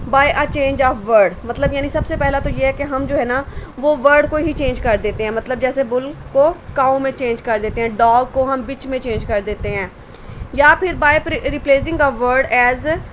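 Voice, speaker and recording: A woman teaching a grammar lesson, explaining in Hindi-Urdu and reading rules and word lists aloud slowly. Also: high-pitched, slight background noise, rough recording. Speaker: English teacher.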